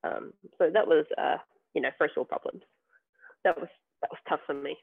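A man's voice: fairly high pitch, normal speed, gravelly, husky. A man, a podcast guest talking casually and hesitantly, with many ums and restarts. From New Zealand. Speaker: podcast guest, software tester. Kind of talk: casual interview chat. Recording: tinny phone-like remote call.

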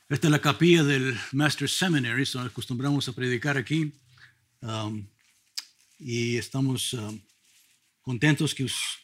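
Older pastor preaching, halting and warm-humored. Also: male voice, medium pitch. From California. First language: English. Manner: halting restarts, light humor. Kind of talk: sermon workshop. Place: seminary chapel.

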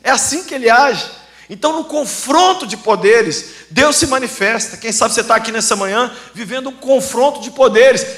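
A man preaching a sermon as pastor, animated and humorous, acting out little dialogues as he tells stories. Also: very high-pitched, normal speed. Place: church sanctuary. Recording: echoey church hall.

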